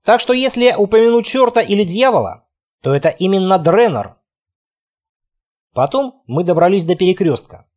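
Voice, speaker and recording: A man's voice: high voice, sing-song, moderate pace, darkish tone. A man narrating a first-person fantasy audiobook in a wry, conversational way.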